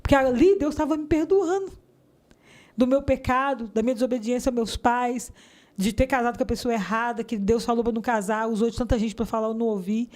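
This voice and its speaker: A woman's voice: a little high, fairly even intonation, quick pace. A woman giving a fervent religious testimony in an interview, sometimes acting out the voices of people in her story.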